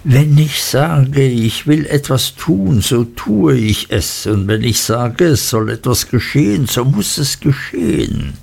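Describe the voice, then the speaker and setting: A man's voice: mid-range voice, animated, slow, creaky, slightly rough, full character voice. A man voicing a cruel, wrathful schoolmaster in an audiobook, boastful and threatening, with snapping, repetitive phrases. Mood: domineering. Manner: whispering menace, snapping "hä?" tags, repetitive self-important boasts. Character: cruel, wrathful old schoolmaster, menacing and domineering.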